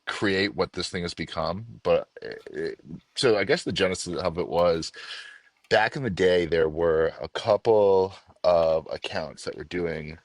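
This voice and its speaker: A man's voice: deep voice, unhurried, no room sound. A man with a stuffy, nasal voice from a cold, chatting casually as a podcast guest in a rambling, self-deprecating way. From Northeast United States. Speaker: podcast guest, meme page creator.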